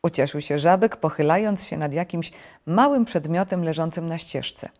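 A middle-aged woman narrating a children's storybook in a gentle, expressive way. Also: low-pitched, moderate pace. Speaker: audiobook narrator.

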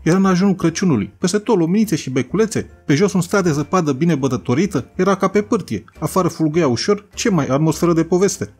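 Casual narrator: a man with a slightly high voice, brisk and humorous, faint music underneath. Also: lively intonation, a little mellow, slightly rough. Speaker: storyteller. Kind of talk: casual childhood story narration.

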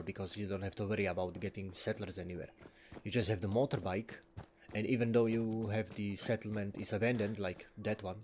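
A man's voice: lowish voice, a little hiss or hum. A man giving casual, rambling commentary while playing a video game, often chuckling. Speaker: let's play gamer.

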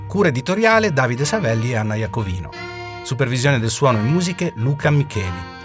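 A man as podcast host, reading a scripted closing segment and credits in a measured, announcing manner. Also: mid-range voice. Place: recording studio. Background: music bed.

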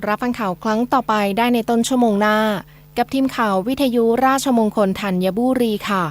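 A woman's voice: a little high, fairly quick. A woman reading scripted news as a radio newsreader.

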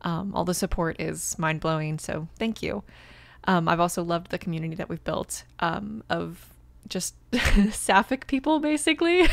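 A woman's voice: medium pitch, creaky, no room sound. A woman of about twenty, an ASMR creator giving a casual update to her listeners.

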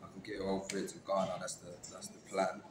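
A man's voice: sits low, completely flat delivery, fast talker. A man with an East London accent, telling a story in an easygoing, rambling way. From England. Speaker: restaurant team member. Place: restaurant seating area, indoors. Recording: roomy with background noise.

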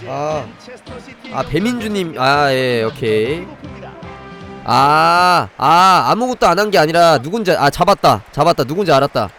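Animated, high-pitched man streaming a game. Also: unhurried, soft background music. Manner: demonstrates step by step while breaking off to address viewers. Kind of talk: live gaming commentary and review, chatting with viewers.

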